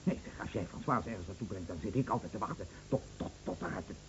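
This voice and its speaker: An actor playing a chatty, teasing, fretful bedridden husband in a radio play, stammering and musing with theatrical emphasis. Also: male voice, fairly low pitch, expressive, fast. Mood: fussy, needling. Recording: muffled old radio play recording, slight noise.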